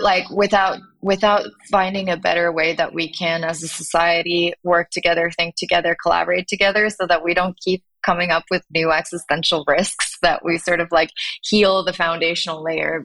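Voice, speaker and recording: Young finnish woman guest, lowish voice with lots of vocal fry, says like a lot, thinking out loud. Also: steady tone, fairly quick, poor audio. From Finland. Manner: thoughtful, many fillers and restarts. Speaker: startup founder, guest. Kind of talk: conversational interview.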